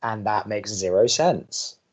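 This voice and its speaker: An actor playing an earnest, flustered young campus radio co-host who talks with fretful, exasperated emphasis. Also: male voice, on the low side, animated, takes it slowly. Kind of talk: bantering audio drama dialogue.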